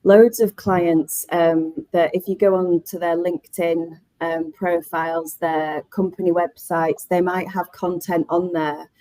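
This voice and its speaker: A woman with a fairly low voice gives unscripted advice as a webinar panelist. Her phrasing is halting and she often rewords as she goes. The recording is dry, without room sound. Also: little pitch movement, warm tone, no echo, poor audio. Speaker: panelist running a flexible workspace.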